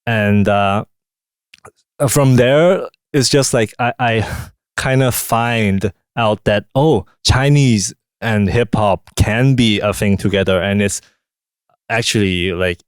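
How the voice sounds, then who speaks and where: A young man from Hong Kong, a musician chatting in a studio interview, talking in a relaxed, halting way with many fillers. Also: fairly low pitch, smooth, no room sound. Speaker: musician guest. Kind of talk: casual interview chat.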